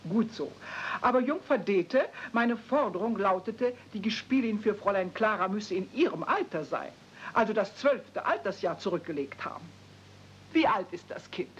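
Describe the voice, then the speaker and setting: A woman's voice: lively intonation, normal speed, close to an everyday voice. A woman playing a strict, haughty, easily scandalised housekeeper, formal and stiff, in a 1970s radio play. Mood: stern. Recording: dull, rumbly, noisy old cassette transfer.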